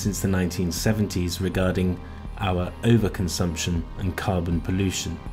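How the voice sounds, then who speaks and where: With music playing in the background, a man talks using ordinary pitch variation. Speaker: climate podcast host. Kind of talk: podcast intro narration.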